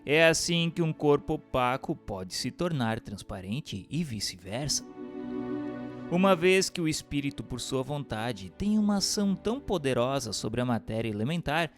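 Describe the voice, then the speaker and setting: A Brazilian man delivers scripted narration in a formal, instructive manner. His middle-register voice moves through wide, lively intonation while instrumental music plays behind him. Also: mid-range voice. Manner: formal, measured, didactic. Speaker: narrator reading a religious treatise. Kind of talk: scripted audiobook narration for radio.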